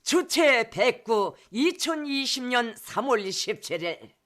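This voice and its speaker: A man's voice: very high-pitched, very animated, slow pace, fairly bright tone. A man with a North Korean accent reading a formal scripted political speech in a solemn, emphatic, declamatory manner.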